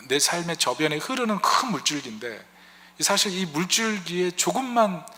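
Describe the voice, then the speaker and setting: A man's voice: mid-range voice, sharp tone. A man pastor preaching a sermon in a conversational way, asking the congregation rhetorical questions and acting out quoted prayers. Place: church sanctuary. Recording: long hall reverb.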